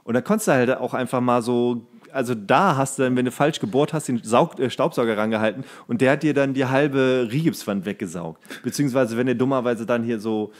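Guy podcast cohost, medium pitch, rambles on all excited in loose slangy banter. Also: fairly quick, few pauses. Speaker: podcast co-host. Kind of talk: casual comedic chat.

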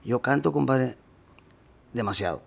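A man's voice: mid-range voice, a little slow, gravelly, husky. A male singer, talking casually in an interview, rambling with many restarts and slang.

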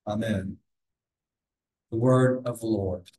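A man's voice: lowish voice, takes it slowly, mellow, poor audio. Older man reading scripture aloud. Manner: plain, careful reading aloud. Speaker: lay reader. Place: large cathedral sanctuary, indoors. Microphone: far camera.

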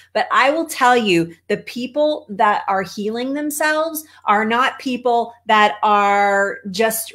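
A woman's voice: on the high side, fairly bright tone. Emphatic American woman giving a motivational talk. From Texas, United States. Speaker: holistic cancer coach, show host. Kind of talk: motivational talk to an online audience. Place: small home office, indoors.

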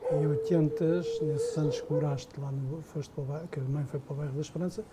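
A man's voice: on the high side, fairly even intonation, fast, mellow, slight background noise. A male podcast host who grew up outside Portugal asks curious questions and breaks in to explain details for the listeners. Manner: curious, steers the talk and explains things for listeners. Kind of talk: casual interview.

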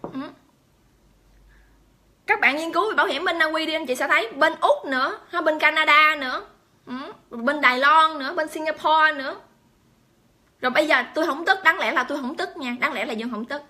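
A woman gives an impassioned monologue to her camera. Her voice is high and bright, and she talks at a rapid clip. She piles on exclamations and rhetorical questions aimed at the people watching. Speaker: vlogger addressing viewers.

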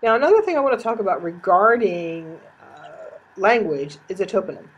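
A woman's voice: medium pitch, expressive, moderate pace, slightly rough, dull audio. A woman teacher giving a recorded lecture, explaining patiently with frequent fillers.

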